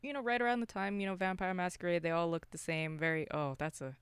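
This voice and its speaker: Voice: mid-range voice, fairly even intonation, quick pace, fairly bright tone, clear, resonant tone, dry recording. A podcast co-host chatting casually, with slangy, exclamatory interjections. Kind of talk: casual chat and reactions.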